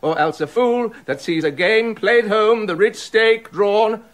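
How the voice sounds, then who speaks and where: A man's voice: high-pitched, unhurried, no room sound. An actor playing a jealous, brooding king in a radio drama, muttering bitter asides and building to angry accusation. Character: jealous brooding king, middle-aged man.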